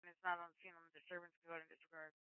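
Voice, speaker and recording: Male radio dispatch, clear voice, fast pace, band-limited sound. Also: on the high side, completely flat delivery, no echo, narrow, tinny audio. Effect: two-way radio. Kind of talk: emergency radio dispatch calls.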